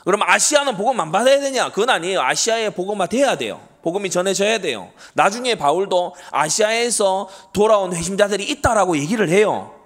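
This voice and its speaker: This pastor, a middle-aged man, delivers his Sunday sermon briskly with few pauses, his voice sitting high, animated and a bit bright. He speaks earnestly and emphatically, answering the rhetorical questions he keeps raising.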